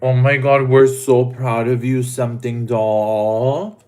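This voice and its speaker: A man's voice: mid-range voice, level tone, takes it slowly, warm tone, faint music behind. A man hosting a casual livestream, talking in a dramatic, camp way to his viewers while he eats. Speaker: livestream host.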